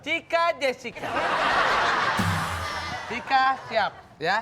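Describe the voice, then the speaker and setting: A man hosting a comedy quiz game on a TV show, loud and teasing as he pushes the contestants. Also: very high-pitched, very animated, very slow. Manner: loud, teasing, calls contestants to get ready. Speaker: quiz host. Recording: studio show with loud music and audience.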